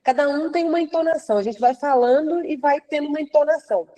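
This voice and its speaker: A woman hosts the interview in a casual way. Her voice is mellow and a little high, and her questions wander, full of hesitations and fresh starts. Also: fast, rough recording. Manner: hesitant, restarts, winding questions.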